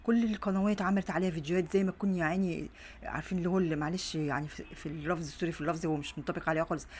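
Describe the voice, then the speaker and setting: Rapid chatty Egyptian woman vlogging at home. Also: fairly low pitch, steady tone, a little mellow. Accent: Egyptian Arabic. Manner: chatty, rambling, many restarts. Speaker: vlogger and mother. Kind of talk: casual home vlog chat. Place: her home, indoors. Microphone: phone on a stand.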